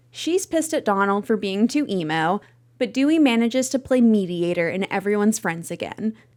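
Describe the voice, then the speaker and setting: An unremarkable speaking voice, a woman's lively intonation moves around a medium pitch. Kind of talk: amateur video voice-over, list commentary. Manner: casual, conversational.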